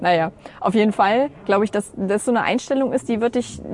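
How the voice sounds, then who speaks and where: A woman at a fairly high pitch. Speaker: podcast host. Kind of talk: casual chat. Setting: outdoors.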